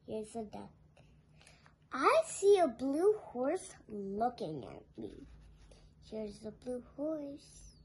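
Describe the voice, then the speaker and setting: A young girl reading a picture book aloud to small children in a singsong way, with softer asides. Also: a little high, very animated, very slow, long pauses, slightly rough, poor audio. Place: living room sofa at home. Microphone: phone held nearby. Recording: home phone recording with background noise.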